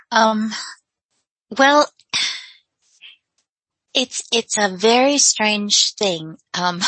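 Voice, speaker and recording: A woman calling a talk radio show, speaking reflectively and laughing softly between thoughts. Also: mid-range voice, no echo, poor audio. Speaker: caller.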